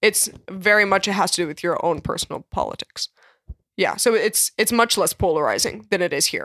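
A woman with a normal speaking voice and medium pitch talks at a fairly quick pace with ordinary pitch variation. The recording is very clean, with a silent background and a dry, close sound with no echo. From Ukraine, raised in Canada. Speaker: political commentator. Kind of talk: casual discussion.

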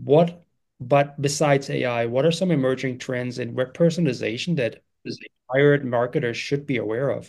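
Speaking in a German accent, a man uses a medium pitch and fairly even intonation at a moderate pace. Behind him the background is quiet. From Germany. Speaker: podcast host. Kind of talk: scripted intro then interview chat.

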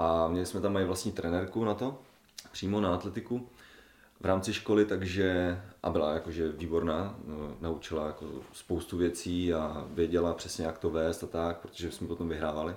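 Here a man speaks at a very deep, low pitch. His intonation is fairly even and his pace moderate. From Czechia, South Moravia (Hustopeče/Brno). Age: 30s. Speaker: gym member. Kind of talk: casual interview chat.

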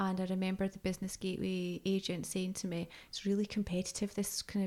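A woman with a Scottish accent at a medium pitch, monotone and flat, at a very fast pace. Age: 40s. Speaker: podcast co-host. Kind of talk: casual chat. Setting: studio.

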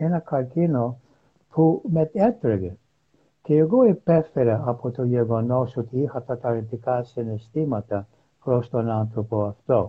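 A man with a plain, everyday voice speaks fairly slowly at a medium pitch, with ordinary pitch variation. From USA and Lebanon. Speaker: spiritual teacher and author. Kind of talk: casual interview. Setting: Instagram live video call.

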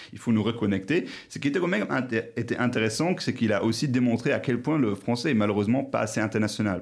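Talking very fast, a man keeps his voice at a medium pitch. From Luxembourg. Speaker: journalist, podcast co-host. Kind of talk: casual chat. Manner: halting.

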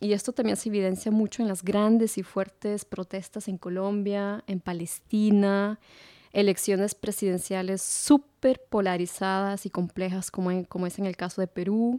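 A woman speaks in a normal speaking voice at medium pitch and a fairly slow pace. The very clean recording has a silent background and a dry, close sound with no echo. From Latin America. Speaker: podcast co-host. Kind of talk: casual chat. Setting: radio studio.

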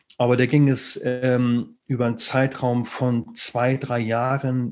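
A man at medium pitch and a very slow pace. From northern Germany, Schleswig-Holstein. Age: 40s. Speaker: former teacher and parenting seminar leader. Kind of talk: interview conversation.

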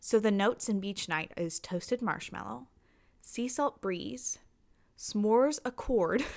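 With an American accent and a plain, everyday voice, the speaker moves at a fairly slow pace with lively intonation. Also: woman. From Utah, US. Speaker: podcast host. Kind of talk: casual solo podcast monologue. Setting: home recording with poor audio. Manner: chatty, self-deprecating.

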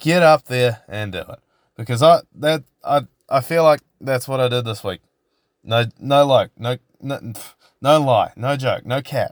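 On a very clean recording with a silent background, a man with a New Zealand accent speaks at medium pitch and a fairly slow pace, leaving long, frequent pauses. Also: ordinary pitch variation, dry, close sound with no echo. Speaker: podcaster and amateur open mic comedian. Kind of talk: casual solo podcast monologue with humor. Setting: home studio with rain noise in background. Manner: animated, rambling, joking.

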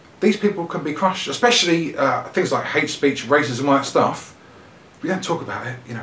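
Over noticeable background noise, a man with a fairly high pitch speaks at a fairly quick pace. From UK. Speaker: podcast co-host. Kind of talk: casual chat.

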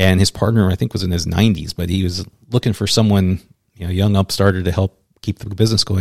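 In a plain, everyday voice, a man speaks with an American accent at a fairly quick pace and fairly even intonation. The recording is very clean and dry, close-sounding with no echo against a silent background. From Southern California. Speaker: retired police lieutenant. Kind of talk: interview.

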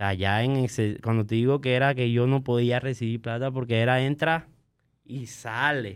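A man talks at a moderate pace in an ordinary speaking voice, his intonation fairly even. The recording is very clean, with a silent background. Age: 20s. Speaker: music producer. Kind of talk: casual interview.

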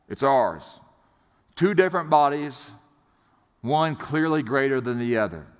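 Audible room echo surrounds the voice. A man speaks at a medium pitch with lively intonation. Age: 40s. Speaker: pastor. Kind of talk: sermon. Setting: church.

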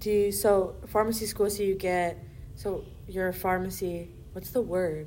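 Fairly slow and evenly intoned, a woman speaks at medium pitch. Hers is an unremarkable speaking voice. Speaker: student podcast host. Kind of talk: casual chat.

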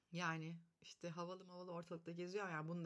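Talking at a fairly quick pace, a woman has a fairly low pitch and a plain, everyday voice. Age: 40s. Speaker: podcast host. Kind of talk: solo podcast monologue. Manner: casual, conversational.

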